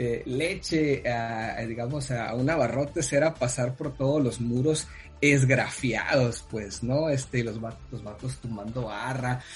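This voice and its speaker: Music plays behind a man's voice, with audible room echo. His pitch varies in an ordinary way. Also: medium pitch for a man, fairly slow pace. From Tijuana, Mexico. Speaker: social researcher and artist. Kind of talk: interview. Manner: halting, many fillers.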